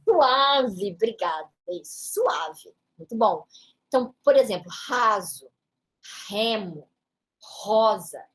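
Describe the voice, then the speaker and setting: A woman's voice: on the high side, big pitch swings, slow pace. A woman teacher with a São Paulo Brazilian Portuguese accent, explaining a lesson patiently and checking in with short tag questions. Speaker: English teacher. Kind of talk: classroom-style lesson explanation.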